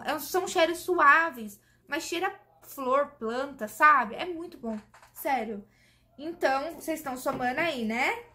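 Woman, high voice, Brazilian, chatty beauty vlogger, shows products on camera. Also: sharp tone. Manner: chatty, enthusiastic, addresses viewers as "gente"; demonstrating products while talking. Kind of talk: casual product review to camera.

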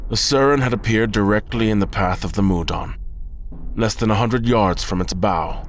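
A man plays a proud space admiral in a sci-fi audio drama. His voice sits low and his delivery is intense and grim, with prominent music underneath. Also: moderate pace, close to an everyday voice. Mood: grim, focused. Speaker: lead actor and narrator. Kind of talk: audio drama acting and first-person narration.

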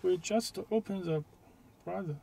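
A man with a high voice and a creaky edge walks through a product setup very slowly. He is not a native English speaker and talks in short, halting, simple phrases, like a hands-on tutorial recorded in a car. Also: dark tone, slight background noise. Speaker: product demonstrator. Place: inside a parked car.

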